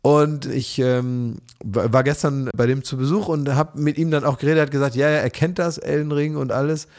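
A male podcast co-host with a medium-pitched, slightly mellow voice chats casually, speaking fairly quickly with fairly even intonation. He tells ironic, rambling stories and often restarts his sentences.

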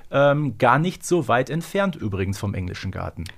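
A man's voice: mid-range voice, big pitch swings, moderate pace, creaky. A man in his forties co-hosting a podcast, sharing trivia conversationally with playful asides. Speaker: podcast co-host and series expert. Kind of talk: casual chat sharing trivia.

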